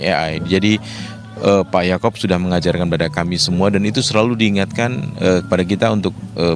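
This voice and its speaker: A man, a newspaper executive, answering a reporter's questions outdoors in a measured, reflective way with occasional fillers. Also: sits low. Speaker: newspaper deputy chief, interviewee. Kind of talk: live interview answers. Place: outdoors at a cemetery.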